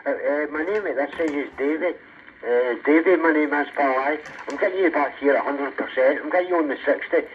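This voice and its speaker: A man's voice: on the high side, a little fast, slight background noise. A Scottish man in casual, chummy CB radio chat, often repeating himself, over a lo-fi signal. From Scotland. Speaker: CB radio operator.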